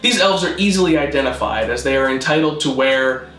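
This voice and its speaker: A man narrating a scripted mock-documentary explainer in a formal, measured, deadpan manner. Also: medium pitch, echoey room, music in the background. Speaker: presenter of a constructed-language video.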